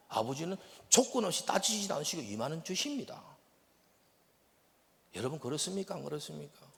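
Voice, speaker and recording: A man with a Gyeongsang accent preaching a sermon as a missionary, shifting from loud bursts to hushed whispers. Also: high-pitched, creaky. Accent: Gyeongsang Korean. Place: church sanctuary. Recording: long reverb of a church hall.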